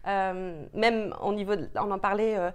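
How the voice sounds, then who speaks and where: A woman from France, a guest in a casual conversation, talking with lively enthusiasm and easy laughter. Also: mid-range voice, moderate pace, a little hiss or hum. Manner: enthusiastic, emphatic, laughs easily. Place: Canada.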